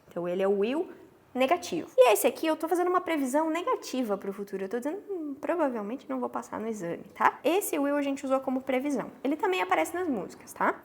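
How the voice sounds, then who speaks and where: A woman with a Brazilian Portuguese accent teaches English with a bright, fairly high voice that swings up and down a lot. She says her example sentences slowly and drawn out, then hurries through the explanation. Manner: animated, stretches English examples slowly, frequent "tá?" check-ins. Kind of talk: lively explanatory lesson.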